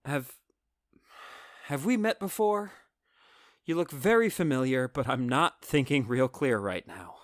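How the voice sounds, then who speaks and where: A man's voice: mid-range voice, expressive, unhurried, dry recording, studio quality, lightly acted. A man playing an anxious young father in a naturalistic audio drama, hesitant and awkward in his talk. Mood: bewildered, upset. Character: anxious ordinary young father, former patient.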